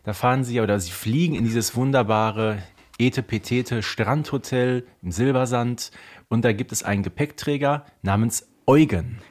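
Man co-hosting, medium-pitched conversational voice. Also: moderate pace. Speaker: podcast co-host. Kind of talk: casual chat, podcast discussion.

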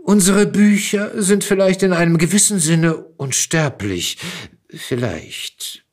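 A man acts out a proud old poet from beyond the grave in a storybook reading. He lectures emphatically and declaims, his pitch raised and swinging widely with each insistent point. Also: lively intonation, slow pace, exaggerated voice. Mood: proud, quiet. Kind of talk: dramatic literary reading.

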